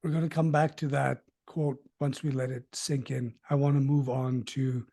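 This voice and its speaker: A man's voice: medium pitch, little pitch movement, moderate pace, vocal fry, warm tone, no echo, clean studio sound. A man hosting a group video call from his dining table, talking bluntly and swearing freely. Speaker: host.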